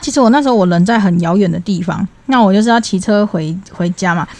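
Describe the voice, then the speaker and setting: An ordinary speaking voice from a woman, fairly quick in pace, with ordinary pitch variation. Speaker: podcast co-host. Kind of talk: casual chat.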